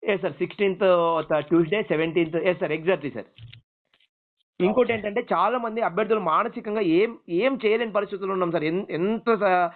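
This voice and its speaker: Thin phone audio, young man, Telangana Telugu accent, high rapid voice, pleading, respectful, insistent. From Telangana, India. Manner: deferential, insistent, rambling. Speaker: exam aspirant calling a politician. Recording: muffled, narrow-band phone line.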